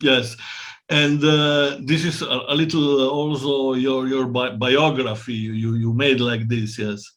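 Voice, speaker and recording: A man's voice: medium pitch, little pitch movement, a little slow, fairly bright tone. A man with an Italian accent hosting an interview, speaking hesitantly in English as a second language with many restarts and fillers. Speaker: interviewer, host.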